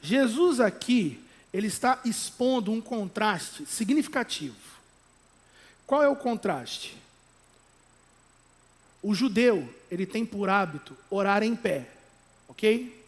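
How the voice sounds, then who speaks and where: A Brazilian man preaching a sermon as pastor, emphatic, with conversational asides and tag questions, at times rising to loud exhortation. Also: sits high, lively intonation, slow pace, pauses often. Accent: Brazilian Portuguese.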